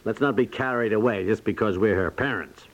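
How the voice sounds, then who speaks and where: An actor playing a practical, soft-hearted husband and proud father in a 1950s radio domestic comedy, folksy and stammering as he repeats himself. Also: lowish voice, brisk, natural voice. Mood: reluctant. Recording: muffled 1950s radio recording.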